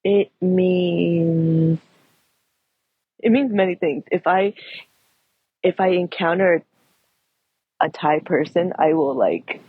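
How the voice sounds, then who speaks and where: A woman's voice: fairly low pitch, slow, long pauses, breathy edge, no echo, narrow, tinny audio. A woman who is a podcast guest, telling stories in a casual chat and laughing often. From United States. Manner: laughs often, chatty storytelling.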